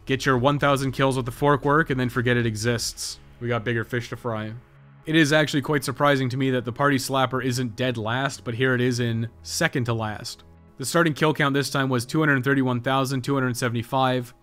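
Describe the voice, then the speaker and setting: A man narrates a scripted video game guide at a medium pitch. He explains things plainly and matter-of-factly, with music playing behind his voice. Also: fairly bright tone.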